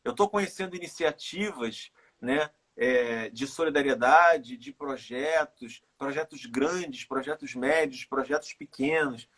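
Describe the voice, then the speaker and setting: A middle-aged man with a Carioca Brazilian accent, talking as a guest in a casual live chat, reflective and halting, repeating words as he thinks. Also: mid-range voice, fairly bright tone, husky. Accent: Carioca Brazilian Portuguese. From Rio de Janeiro, Brazil. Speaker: guest, runner and author.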